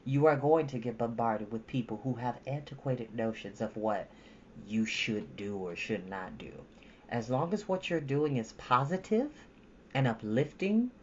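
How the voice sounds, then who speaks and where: A woman's voice: rumbling low, a little mellow, lo-fi sound, a little hiss or hum. A woman talking casually to her viewers as a storytime host, in an informal, emphatic, encouraging way.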